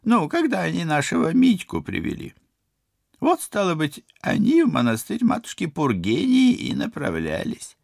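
A man's voice: on the high side, wildly swooping pitch, normal speed, vocal fry, darkish tone, no echo, clean studio sound, voice pushed up, heavily acted. A man voicing a shrewd, motherly old village crone who talks in a folksy, wheedling way. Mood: conspiratorial.

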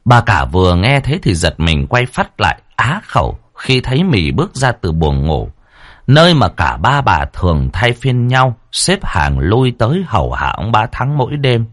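A man narrating a dramatic audio story with an expressive, rising and falling delivery. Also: lowish voice, moderate pace. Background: faint background music.

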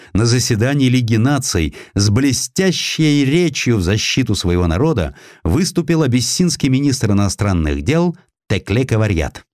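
A man reading a historical essay as an audiobook narrator, in a measured, dramatic storytelling delivery with expressive emphasis. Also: on the low side, dry recording, clean studio sound.

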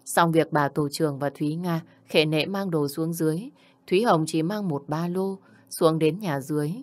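A woman reading a story aloud as an audiobook narrator, steady and even. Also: sits low.

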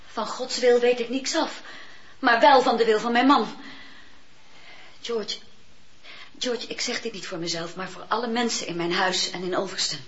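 A woman's voice: on the high side, moderate pace, long pauses, lightly acted. An actress playing an emotional married woman who pleads urgently in a radio play. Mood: pleading. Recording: dull old radio recording.

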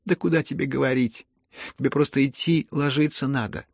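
A man reading a storybook who voices a stern middle-aged noblewoman, shrill and indignant as she scolds. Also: fairly even intonation, brisk, gravelly, no room sound, clean studio sound. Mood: alarmed.

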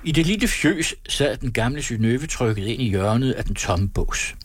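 A man reading aloud from an old novel in a measured, unhurried way, with a husky voice. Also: medium pitch, animated, no room sound.

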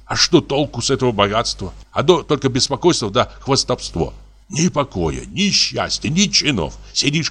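A man's voice: lowish voice, a bit bright, breathy edge, heavily acted. A man voicing a self-pitying, lamenting spendthrift who calls himself a scoundrel, in an audiobook reading.

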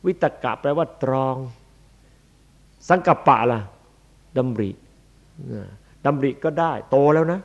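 A man's voice: medium pitch, expressive, slow pace, long pauses, darkish tone. A man, a Buddhist monk, giving a dharma sermon in a blunt, emphatic, demonstrative way. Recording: dull lo-fi archive recording.

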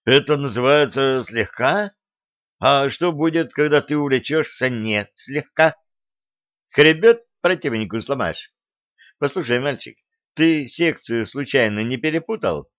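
A man voicing a gruff, angry middle-aged fencing coach who scolds and shouts. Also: medium pitch, measured pace, no echo, lo-fi sound, pitched above the performer's own voice, natural voice. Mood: angry scolding.

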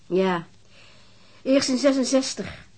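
A woman's voice: high-pitched, slow pace, darkish tone. An actress playing a weary, defensive divorced mother, answering questions hesitantly in a naturalistic radio drama. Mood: defensive, aggrieved.

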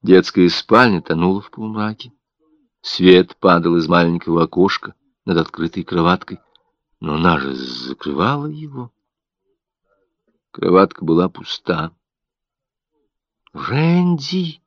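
A man's voice: sits low, expressive, normal speed, long pauses, dry recording. A man reading an audiobook with dramatic expression, his voice rising and falling a lot in a medium register. The sound is dry and a little muffled, with no room around it. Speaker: audiobook narrator. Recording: dull, dry audiobook recording.

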